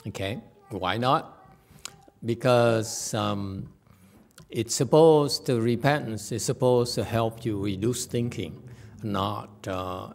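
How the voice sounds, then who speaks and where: A man teaching as a Buddhist master, answering questions in a halting way with long hesitations and repeated words. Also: on the low side, vocal fry, a little mellow.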